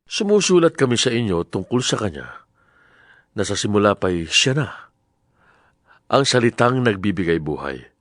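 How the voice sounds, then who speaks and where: A man with a Filipino accent giving a solemn, measured, declamatory dramatized reading of scripture as a Bible narrator. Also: fairly low pitch, big pitch swings, no room sound. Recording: music bed under the voice. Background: background music.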